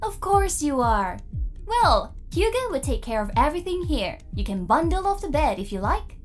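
A woman's voice: sits high, very animated, normal speed, faint music behind. A woman voicing a mischievous, blunt AI therapist in a sci-fi audio drama, breezy and teasing. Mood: brisk, teasing.

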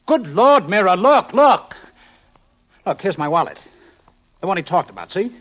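A man's voice: high voice, big pitch swings, moderate pace, highs cut off. An American man acting an agitated, indignant husband in a 1950s radio science fiction drama, with emphatic delivery. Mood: desperate, pleading. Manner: emphatic, exasperated, swooping delivery. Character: agitated, indignant husband, a future security chief.

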